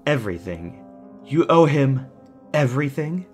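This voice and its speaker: In an audio drama, an actor plays a deranged, genteel villain, formal and mocking, savoring each word with menacing sweetness. His mid-range voice is very animated and a little slow, conveying silky menace, with faint music behind.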